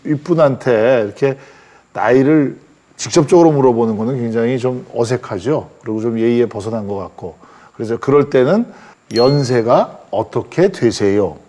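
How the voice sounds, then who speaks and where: A man in his forties teaching a language class, explaining patiently and slowly, with frequent restarts. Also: medium pitch, darkish tone. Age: 40s. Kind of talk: classroom instruction.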